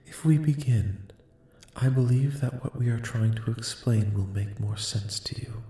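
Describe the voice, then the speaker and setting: A man voicing a calm, courteous alien collective in a soft-spoken ASMR roleplay, speaking in slow, formal, reassuring phrases. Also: medium pitch, lightly acted. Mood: gently reassuring. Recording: echoing, reverberant voice.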